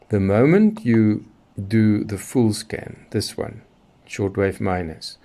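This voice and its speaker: A man's voice: low voice, a little mellow. A middle-aged man giving an unscripted, methodical hands-on product demonstration, explaining each step as he goes. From Southern Africa. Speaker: shortwave radio hobbyist presenting a tutorial.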